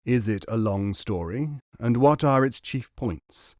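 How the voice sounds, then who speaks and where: A proud young Arab prince, formal and a little insistent, in an ordinary mid-pitched male voice, as a man reading puts him on. The sound is close and dry. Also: expressive, a little slow, darkish tone, no room sound, natural voice.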